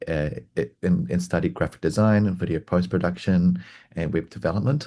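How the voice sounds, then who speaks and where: Very deep and low, this man's voice carries a New Zealand accent and very wide pitch swings. He keeps a moderate pace over a quiet background. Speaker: product designer. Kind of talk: panel discussion.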